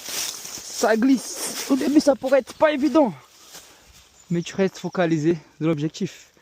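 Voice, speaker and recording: High-voiced man preaching outdoors. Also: sing-song, unhurried, a little mellow, a little hiss or hum. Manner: exhorting, addresses viewers as friends; walking and climbing while talking. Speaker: evangelist. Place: outdoors on a hillside trail. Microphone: handheld phone camera.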